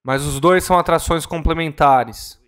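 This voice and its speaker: A man interpreting a ministry talk at a church conference, earnest and measured, sometimes correcting himself mid-word. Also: on the high side, fairly bright tone, clear, resonant tone.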